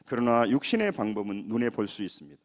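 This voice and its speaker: A man's voice: lowish voice, sing-song, fast. A middle-aged man with a Jeolla Korean accent, preaching a sermon to his congregation with emphasis. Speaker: pastor.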